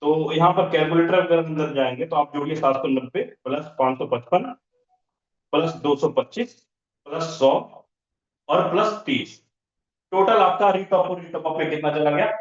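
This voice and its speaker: Male trainer, slightly high voice, repeats each figure as he works through the sums, dull lo-fi call audio. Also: normal speed, reverberant. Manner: repetitive, walks through sums step by step. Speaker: business trainer. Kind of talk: online training session explaining income plans.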